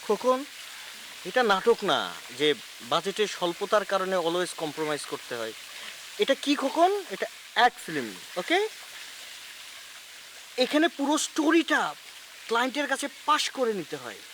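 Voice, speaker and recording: A man's voice: high voice, sing-song, normal speed, pauses often, a bit bright, a little hiss or hum, poor audio. An actor playing a bossy ad film producer who scolds his assistant with sarcasm. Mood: sarcastic. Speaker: ad film boss at a shoot. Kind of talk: TV drama acting.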